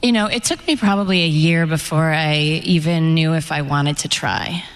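A woman's voice: low voice, moderate pace. A middle-aged woman novelist speaking candidly on stage about her life and work, with wry humor. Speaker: novelist being interviewed. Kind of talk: onstage author conversation. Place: event stage before an audience. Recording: echoey hall, long reverb.

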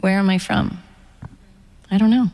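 A middle-aged American woman, an author and guest, talking in a reflective, candid and measured way at a live event interview in a hall. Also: mid-range voice, steady tone, a little mellow. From United States.

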